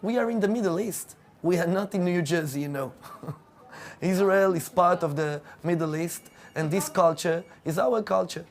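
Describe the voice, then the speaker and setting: A man's voice: high-pitched, moderate pace. A man interviewed about his theater, speaking emphatically with light laughter. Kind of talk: interview answers.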